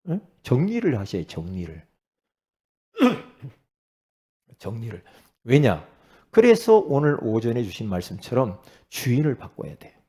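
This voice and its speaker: A middle-aged male pastor preaching a sermon in a conversational way, swinging from loud bursts to hushed asides and often asking the congregation for assent. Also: mid-range voice.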